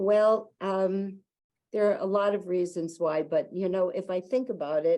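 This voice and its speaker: Here a woman with an American accent has a dark, mellow tone. Her pace is fairly slow, with ordinary pitch variation. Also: medium pitch for a woman. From New Jersey. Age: 80s+. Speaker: community leader and arts patron. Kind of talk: interview. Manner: halting, many fillers.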